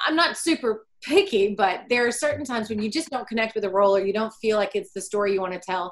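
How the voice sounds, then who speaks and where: In an American accent, a woman with a fairly high pitch talks fairly quickly in an ordinary speaking voice, with ordinary pitch variation. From US South, rural Tennessee. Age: 40s. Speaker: actress and producer. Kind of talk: interview conversation.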